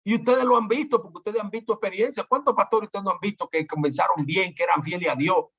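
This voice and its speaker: Male pastor, husky, higher register, lively preaching, lo-fi audio. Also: fast talker. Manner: animated, voices quoted people. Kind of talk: preaching talk. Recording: dull lo-fi sound.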